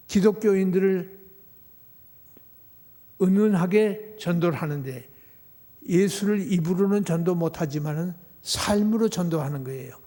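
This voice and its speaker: A man's voice: sits high, mellow. A man, a pastor, preaching a sermon and putting rhetorical questions to his congregation. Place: church sanctuary. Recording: long hall reverb.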